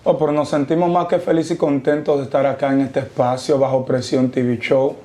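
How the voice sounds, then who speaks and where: A young man with a Dominican accent giving his testimony as a former witch doctor turned Christian, preaching and quoting scripture with slow, emphatic pauses. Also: medium pitch, level tone, dark tone. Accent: Dominican Spanish. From Dominican Republic. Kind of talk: testimony interview.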